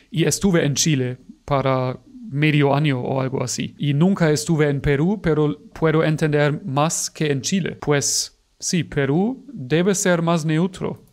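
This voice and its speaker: A German man speaking Spanish with a German accent, chatting casually as a reaction host, self-mocking and quick to laugh. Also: fairly high pitch, a little mellow.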